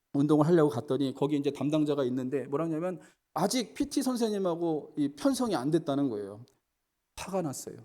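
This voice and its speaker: A middle-aged man, a pastor, gives an earnest sermon in a voice on the high side. He keeps calling out to the congregation and swings from loud, emphatic preaching to quiet stretches of storytelling.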